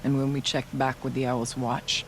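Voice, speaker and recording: An actor playing a solemn, devout tribal shaman in a video game, speaking in measured, formal, reverent phrases. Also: medium pitch, level tone, fairly bright tone, slight background noise, lightly acted. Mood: grave, measured. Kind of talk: dramatic video game cutscene acting.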